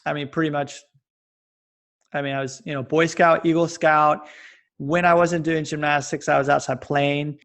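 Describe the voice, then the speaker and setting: An American man in his forties talks as a guest, with a slightly high voice that has a gravelly fry running through it. He rambles and restarts his sentences often, telling stories in an animated way. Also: moderate pace. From United States. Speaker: guest, fitness coach. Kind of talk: casual interview chat. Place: lives in Japan.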